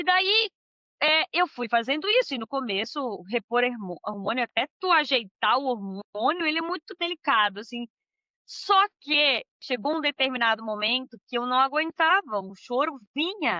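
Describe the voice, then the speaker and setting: Her high-pitched voice moves through very wide pitch swings as the woman speaks. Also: moderate pace. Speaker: psychotherapist. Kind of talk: podcast interview chat. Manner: halting, with many restarts.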